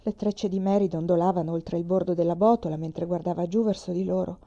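A woman reading a children's novel aloud with calm, measured storytelling. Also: on the low side, highs cut off.

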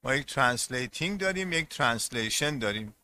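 A man teaching a classroom lesson in a bright, forceful voice. He goes over each term more than once and keeps turning to the class with questions. His pitch sits in a middle range. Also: animated. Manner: repeats terms and quizzes the class. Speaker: English teacher.

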